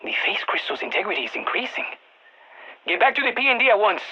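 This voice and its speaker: A nerdy, theatrical game scientist with a Latino Spanish accent, talking over a radio. His voice is high for a man and husky, and its pitch swings widely as he briefs a strike team with big, wordy flourishes. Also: sing-song, quick pace, sharp tone, lo-fi sound, heavily acted. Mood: urgent briefing. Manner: theatrical, wordy, swinging between glee and exasperation. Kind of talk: video game voice lines.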